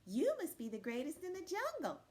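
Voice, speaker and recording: A woman voicing a sly, flattering cat in a told folk tale, cocky and cajoling. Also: sits high, a little fast, voice pushed up. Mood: smooth flattery. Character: sly, flattering cat seeking the greatest partner.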